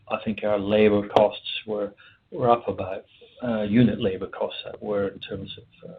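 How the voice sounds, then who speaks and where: A man, a company executive, answering analysts' questions on an earnings call, halting with many fillers and restarts. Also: lowish voice, gravelly, husky. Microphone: phone. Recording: tinny phone line.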